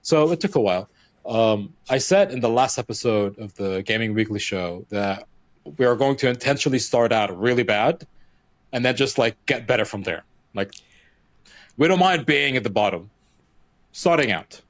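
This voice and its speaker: A man's voice: medium pitch, expressive, moderate pace, no room sound. A young man co-hosting a gaming podcast, born and raised in the United Arab Emirates, chatting casually with lots of fillers and restarts. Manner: rambling, filler-heavy, restarts often. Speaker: podcast co-host. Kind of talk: casual chat.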